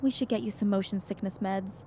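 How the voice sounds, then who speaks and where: A woman's voice: medium pitch, fairly even intonation, fairly quick, mellow, slight background noise, close to an everyday voice. A woman playing a concerned young traveler in an audio drama, with natural, everyday delivery. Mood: caring. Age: young adult. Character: concerned young traveler, warm with friends, guarded with strangers.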